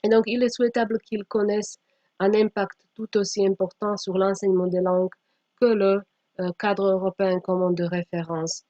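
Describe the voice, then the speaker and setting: A woman giving a slide presentation as a teacher trainer, speaking haltingly with frequent pauses and sometimes reading aloud. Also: medium pitch, level tone, dark tone. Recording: dull, echoey room sound.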